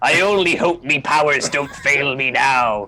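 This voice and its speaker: A man's playful, put-on character voice, fairly high in pitch, at a moderate pace. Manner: playful, swashbuckling.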